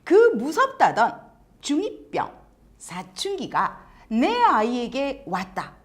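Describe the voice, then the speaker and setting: Animated high-voiced woman lecturer. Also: takes it slowly. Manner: animated, expressive storytelling. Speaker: education lecturer. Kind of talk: lecture to parents.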